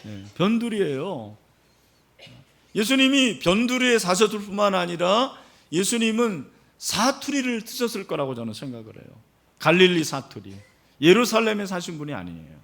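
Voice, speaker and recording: A man's voice: high voice, big pitch swings, normal speed, creaky, fairly bright tone. A middle-aged man preaching a sermon as pastor, explaining the passage and putting questions to the congregation. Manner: explanatory, asks the congregation questions, frequent fillers. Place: church sanctuary.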